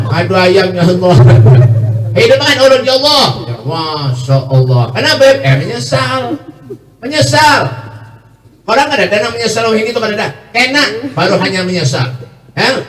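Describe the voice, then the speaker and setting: Male preacher, Banjar accent, playful sermon, keeps checking in with the crowd; roomy, distant sound. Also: high voice. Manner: jokes often and keeps asking the crowd "ya kan?". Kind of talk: humorous sermon. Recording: echoey hall, mic far off.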